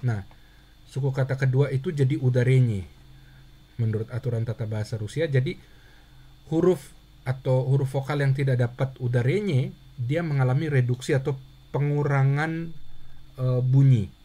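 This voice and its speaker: A man with a husky, slightly hoarse voice gives a handwriting lesson at a calm, patient pace. He poses questions and answers them himself. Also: mid-range voice, normal speed, long pauses. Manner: patient, asks and answers his own questions. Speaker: Russian language teacher.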